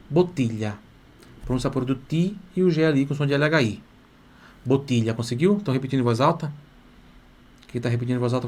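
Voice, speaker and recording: Man teaching Italian phrases. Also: medium pitch. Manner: drills phrases slowly, asks students to repeat aloud. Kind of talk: live online lesson.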